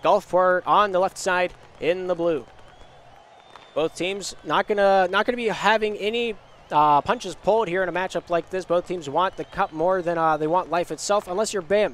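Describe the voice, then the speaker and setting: A young man doing live esports play-by-play, hoarse from a week of illness, his voice sometimes cracking, rising with energy on shots and goals. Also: high-pitched, normal speed, a bit bright, a little hiss or hum.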